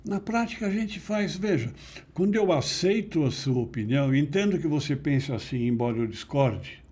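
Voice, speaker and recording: Husky, mellow-voiced man explaining patiently. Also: on the high side, expressive. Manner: didactic, emphatic, measured. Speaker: interview guest, NLP teacher. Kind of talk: conversational explanation.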